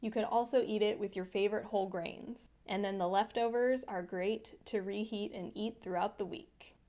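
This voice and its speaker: A woman's voice: mid-range voice, fairly even intonation, normal speed, dark tone. A woman hosting a home cooking channel, narrating her meals in a friendly, chatty voice-over that explains each step. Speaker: vegan cooking channel host.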